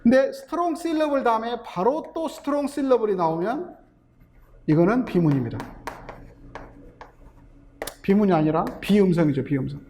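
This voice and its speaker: A man's voice: high-pitched, expressive, normal speed, pauses often, mellow, slight background noise. A man teaching linguistics for a teaching exam, explaining step by step and asking rhetorical questions, with terms. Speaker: English linguistics instructor. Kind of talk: exam-prep lecture. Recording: long hall reverb.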